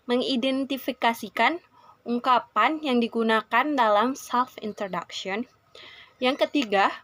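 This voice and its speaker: A young woman with an Indonesian accent speaks as a student teacher, her voice set a little high. She lays out the lesson aims in an orderly way, recorded dry and close with no room sound. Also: fairly bright tone, no room sound. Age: young adult. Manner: orderly, lists lesson goals one by one. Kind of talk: micro-teaching lesson introduction.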